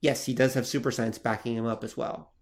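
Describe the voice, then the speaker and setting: A man co-hosting a podcast speaks in a mid-range, level tone, slightly quick, while musing at length about comic history. His delivery is casual and considered, with many fillers.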